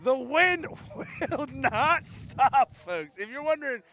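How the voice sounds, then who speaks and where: A man calling a football game live from an outdoor stadium, joking with his partner and shouting on big plays. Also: very high-pitched, animated, slow. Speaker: play-by-play announcer. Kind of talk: live high school football commentary. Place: outdoor stadium in wind and rain.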